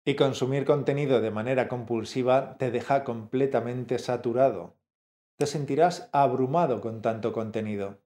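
Mellow-voiced man teaching a lesson. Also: medium pitch, moderate pace. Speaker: language teacher, co-host. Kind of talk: scripted language lesson.

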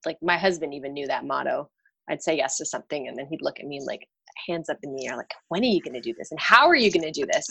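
A husky, gravelly low voice belongs to a woman from Romania who talks fast as a podcast guest. The dental hygienist shares candid, animated stories about her work and life in a casual interview, laughing at herself.

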